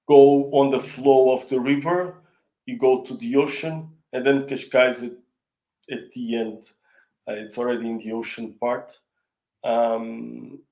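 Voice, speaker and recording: Over a rough recording, a man with a warm, mid-range voice and a Portuguese accent chats casually in an interview on a video call. A native Portuguese speaker who heads a real estate company in his country, he often pauses to hunt for words, restarting and filling gaps with fillers.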